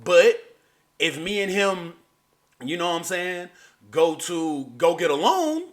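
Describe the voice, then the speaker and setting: A man hosting a reaction video, talking in a loose, animated way and laughing through his points. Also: high-pitched, takes it slowly. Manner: animated, keeps saying "you know what I'm saying". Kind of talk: casual chat.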